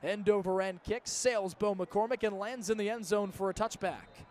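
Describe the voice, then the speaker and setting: A man's voice: sits high, fairly even intonation, moderate pace, darkish tone, a little hiss or hum. A man in his early twenties calling live American football play-by-play in the style of a radio broadcast. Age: early 20s. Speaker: play-by-play sports announcer. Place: outdoor stadium broadcast position.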